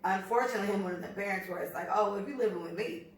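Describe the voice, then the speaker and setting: An American woman in her thirties co-hosting a podcast, talking bluntly and profanely in an animated, storytelling way. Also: mid-range voice, rapid-fire, recorded from a distance. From United States. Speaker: podcast co-host. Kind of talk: casual chat. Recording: echoey room, voice off-mic.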